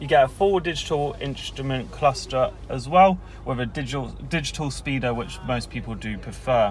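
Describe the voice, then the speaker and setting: Over light background noise, a man talks at a moderate pace with hardly any pauses and big swings in loudness, the sound dry with no echo. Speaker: car salesperson. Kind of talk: product walkaround commentary. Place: car.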